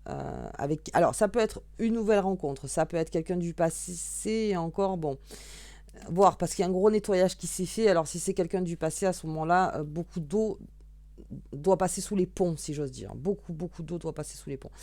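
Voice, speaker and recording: A woman's voice: lowish voice, normal speed, mellow, dry recording. A woman giving a casual, chatty card reading, thinking aloud with fillers and restarts while she draws cards. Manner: shuffling and drawing cards while talking. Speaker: tarot reader.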